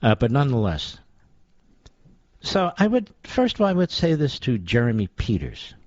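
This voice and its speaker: A man's voice: medium pitch, huge pitch swings, moderate pace, dry recording. A man hosting a talk radio show, delivering a sarcastic, combative opinion monologue. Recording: dull lo-fi dry sound.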